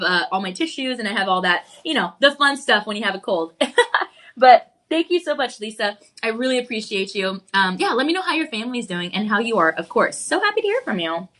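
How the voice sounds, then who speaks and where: A woman's voice: medium pitch, lively intonation, brisk, sharp tone. A woman hosting a live jewelry sales show, chatty and upbeat, congested with a cold and coughing now and then. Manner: chatty, upbeat, reads viewer comments aloud. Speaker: shopping channel host.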